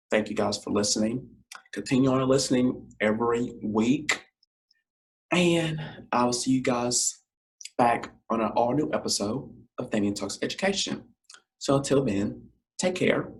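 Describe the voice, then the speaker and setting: A man hosting his own podcast, closing an episode in a loose, rambling way, full of fillers and talk to "you guys." His voice is scratchy and deeper than usual because he is feeling unwell. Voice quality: deep, scratchy voice. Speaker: podcast host. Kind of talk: casual solo podcast outro.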